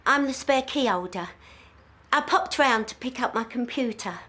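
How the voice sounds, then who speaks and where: A chatty, frank woman caller with a lilt. Her pitch is a little high and very lively, moving up and down as she talks. She sounds friendly and blunt in a television drama scene. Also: normal speed. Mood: candid. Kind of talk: TV drama acting.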